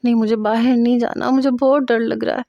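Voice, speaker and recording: A woman's voice: on the high side, steady tone, creaky, mellow, no room sound, muffled recording. A woman voicing a frightened young female student in a story, pleading and insistent. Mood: scared pleading.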